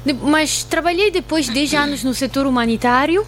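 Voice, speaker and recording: A woman's voice: high-pitched, normal speed, a bit bright. A woman from Italy with an Italian accent speaking Portuguese as a second language, answering conversationally as a guest in a radio studio. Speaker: guest, textile artisan. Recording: faint hum and background noise.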